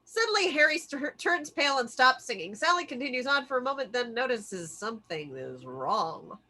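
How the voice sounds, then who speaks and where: A woman's voice: sits high, big pitch swings, normal speed, pushed and bright. A woman narrating scripted stage directions for a table read.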